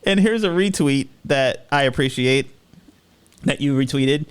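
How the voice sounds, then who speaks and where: A man's voice: medium pitch, unhurried, clean tone. A man co-hosting a podcast in casual chat, laughing often and reading tweets aloud with playful emphasis. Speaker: podcast co-host.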